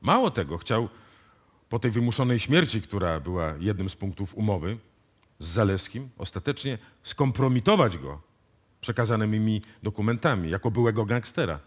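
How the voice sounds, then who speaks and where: A self-assured police detective in a radio play. His voice sits fairly low and swings widely in pitch as he deliberately sets out the facts of a case. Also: lively intonation. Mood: explaining, assured. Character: confident male police detective explaining a case. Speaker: radio drama actor. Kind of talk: live radio drama acting in Polish. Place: radio music studio, performed live before an audience.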